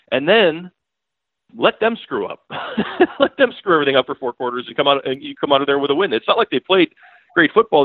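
A man's voice: medium pitch, no echo. A man, a beat writer on the show as a guest, breaks down a football game in casual, rambling talk full of restarts and fillers, calling in by phone. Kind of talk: casual sports analysis. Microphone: phone call. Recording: tinny dry phone line.

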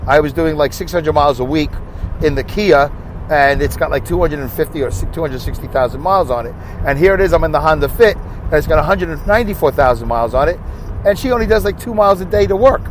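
A man's voice: a little high, animated, fast, low-quality recording. Chatty Brooklyn man talking while driving. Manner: chatty, self-mocking, stream of consciousness. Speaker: podcast host. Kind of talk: rambling solo podcast while driving. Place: inside a moving car on a highway. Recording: faint car road noise. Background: road and engine noise.

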